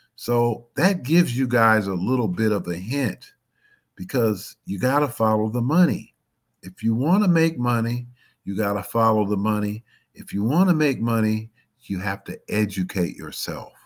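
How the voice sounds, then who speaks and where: A man talks at a medium pitch with lively intonation. The recording is very clean, with a silent background. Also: moderate pace. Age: 60s. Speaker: podcast host. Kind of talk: casual educational podcast monologue. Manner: informal, rambling, halting.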